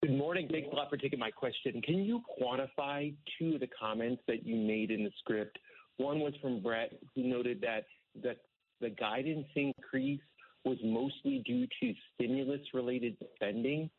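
A man with a mid-pitched voice speaks as an analyst calling in. He puts his question formally, as if prepared. The sound is a narrow, tinny telephone line. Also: expressive, moderate pace, no echo. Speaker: financial analyst caller.

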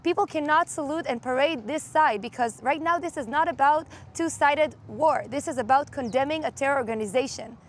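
A woman's voice: sits high, fairly quick, hardly any pauses, slight background noise. A woman in her twenties making an impassioned appeal as a guest in a live interview. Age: 20s. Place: outdoor terrace in a city.

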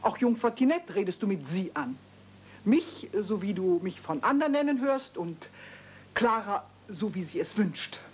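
An actress playing a stern, haughty middle-aged housekeeper in a radio play, formal and scolding. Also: female voice, medium pitch, expressive, moderate pace, a little mellow, close to an everyday voice. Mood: strict, commanding. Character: stern, easily shocked middle-aged German housekeeper lady. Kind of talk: 1970s radio play acting. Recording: muffled, noisy old cassette with hum.

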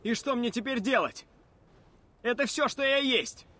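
An earnest young avenger. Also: male voice, very high voice, measured pace, bright, forceful tone, full character voice. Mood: anguished. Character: young man torn by revenge, earnest. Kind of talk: Russian game dub acting.

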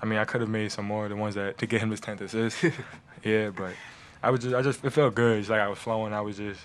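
A young man, a first-year college basketball player, giving relaxed postgame answers at a table mic in a press room. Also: lowish voice, quick pace. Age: young adult. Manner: laid-back, relaxed, repeats "I mean". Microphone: table mic on stand.

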